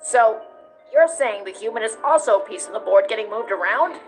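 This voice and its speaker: A woman's voice: fairly high pitch, expressive, a little fast, over music, natural voice. A woman voicing a childlike, earnest, hopeful young skeleton brother in a comic dub, using simple words. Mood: curious. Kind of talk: animated comic dub acting.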